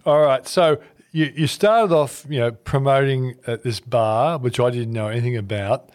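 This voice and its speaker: Male podcast host, mid-pitched, relaxed. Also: normal speed. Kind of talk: casual interview chat.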